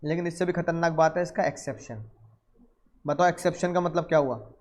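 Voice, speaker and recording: A man with a fairly high voice teaches a law lecture, firing questions at the class. He slips into quick acted exchanges between buyer and seller to make the point. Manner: lively, questions the class and acts out little dialogues.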